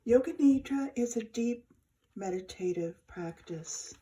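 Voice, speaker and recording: A woman teaching yoga nidra, giving soft, soothing guided meditation instructions in short phrases with pauses. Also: fairly high pitch, animated.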